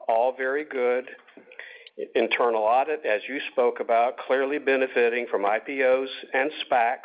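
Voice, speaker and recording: Male executive on a narrow call line. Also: mid-range voice. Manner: measured, short deliberate phrases. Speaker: company executive answering analysts. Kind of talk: earnings call commentary. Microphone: conference call line. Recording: narrow tinny conference phone line.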